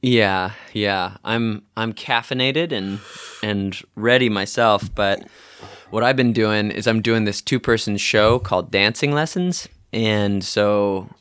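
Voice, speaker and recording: A man's voice: fairly low pitch, takes it slowly, fairly bright tone, smooth, no room sound, studio quality. A man co-hosting a podcast in casual chat, bantering and self-deprecating. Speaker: podcast co-host.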